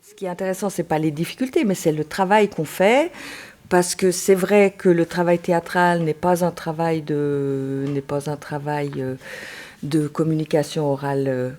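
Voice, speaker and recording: A woman speaking in interview about theatre work, reflective, pausing often. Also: deep voice, darkish tone. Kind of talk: interview answers.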